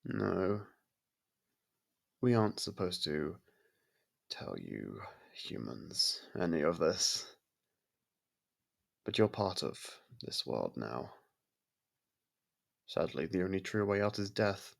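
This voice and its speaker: A man playing a courteous, brooding vampire in an intimate ASMR audio roleplay, with a gravelly, husky voice and halting, hushed delivery. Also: deep voice, big pitch swings, heavily acted. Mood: calm, explaining. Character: brooding male vampire, courteous, softened toward a human. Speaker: voice actor.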